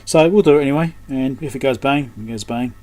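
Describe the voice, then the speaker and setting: A medium-pitched, slightly mellow man speaks briskly while fixing something, voicing his thoughts as he goes. The electronics repair channel host keeps it casual and unscripted, with clearly audible background noise.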